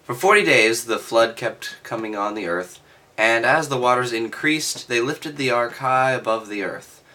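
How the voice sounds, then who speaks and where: A man reading aloud and adding halting, offhand, skeptical commentary with sardonic asides. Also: mid-range voice, sharp tone. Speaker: reader and commentator.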